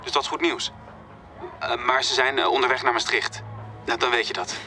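A young friend leaving an informal voicemail in an audio drama. His voice is strikingly sharp and bright, with a halting, hesitant delivery. Faint outdoor noise sits behind it. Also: medium pitch, fairly even intonation. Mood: hesitant, matter-of-fact.

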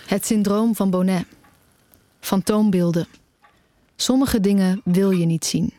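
A woman's voice: medium pitch, unhurried, mellow, natural voice. An actress playing a troubled young woman who narrates her own story reflectively in an audio drama. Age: young adult. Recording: clearly noisy background.

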